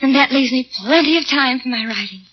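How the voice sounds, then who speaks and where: A wheedling young wife in an old radio play. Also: female voice, high voice, a little fast, breathy edge. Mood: confiding. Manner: wheedling, dramatic, swings to hushed. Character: scheming excitable young wife Helen. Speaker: radio drama actress. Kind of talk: 1940s radio acting. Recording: dull old radio recording.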